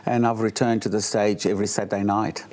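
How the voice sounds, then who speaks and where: An older man born in Egypt, whose first language is Italian, speaking as a guest in a relaxed interview and often pausing with fillers and restarts. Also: lowish voice. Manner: hesitant, with many fillers and restarts. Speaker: guest, drag performer.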